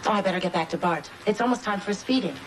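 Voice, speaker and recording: A woman's voice: mid-range voice, very fast, lightly acted, poor audio. A woman playing a literal-minded android police partner, precise and matter-of-fact, in a TV sci-fi crime drama.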